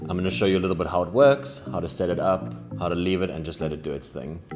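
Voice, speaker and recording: Clear music plays in the background while a man talks at a very fast pace in a very deep, low pitch. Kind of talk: tutorial. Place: shop. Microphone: lapel.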